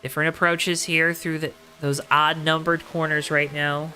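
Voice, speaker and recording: Calling the race as it happens, this commentator uses colorful phrasing and repeats himself for dramatic emphasis. The mid-range voice barely moves in pitch, runs at a normal speed, and sounds pushed and bright.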